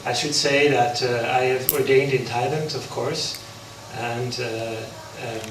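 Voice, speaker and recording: A man from the Netherlands, a Buddhist monk, giving an unprepared talk at an interfaith forum, halting with many pauses. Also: mid-range voice, steady tone. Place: large hall. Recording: echoey hall from far off, background noise.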